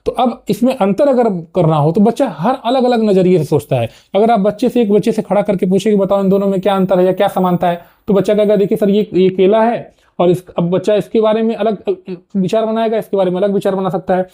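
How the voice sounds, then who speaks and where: High, dark-toned man teaching a lesson. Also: fast, few pauses. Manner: repeats "ठीक है" and restarts words while explaining. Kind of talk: explanatory lecture.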